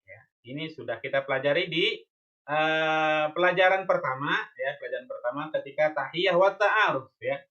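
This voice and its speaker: A male teacher with a bright, slightly high voice runs an online lesson over shared slides. He is patient and goes over each point again, checking in with "ya?" and "oke?". The sound is dull and lo-fi, like a computer mic on a call. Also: moderate pace. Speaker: Arabic teacher.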